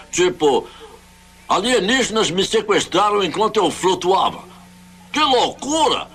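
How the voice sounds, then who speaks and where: A man's voice: sits high, fairly bright tone. A man voicing a wisecracking, bumbling alien in a dubbed TV comedy, with exaggerated comic delivery.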